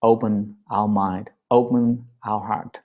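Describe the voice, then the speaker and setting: Brief: male Buddhist teacher, Vietnamese accent, gentle halting delivery, low pitch. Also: little pitch movement, narrow, tinny audio. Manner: slow and gentle, many pauses and fillers. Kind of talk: dharma talk on a livestream.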